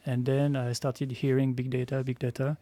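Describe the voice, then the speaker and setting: A French-accented man in his thirties, a startup co-founder telling his story in a studio interview, measured and quick to laugh at himself. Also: mid-range voice, level tone, dark tone. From France. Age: 30s.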